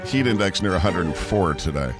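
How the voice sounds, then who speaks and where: A man co-hosting a morning radio show, bantering playfully and reading comic verse with theatrical, drawn-out delivery. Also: deep voice, lively intonation, over loud music. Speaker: radio co-host. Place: radio studio. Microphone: studio microphone.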